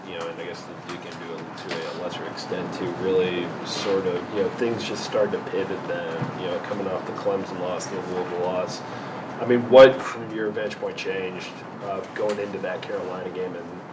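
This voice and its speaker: A man's voice: low voice, flat delivery, moderate pace. A man, a sports reporter, asking a long, rambling question at a press conference. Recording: distant room mic with noise.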